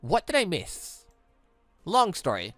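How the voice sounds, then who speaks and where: A man hosting a let's play, reading visual novel dialogue aloud in an animated way and reacting excitedly as he goes. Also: high-pitched, slow, no room sound, soft background music. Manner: animated, stumbles while reading and exclaims at the story.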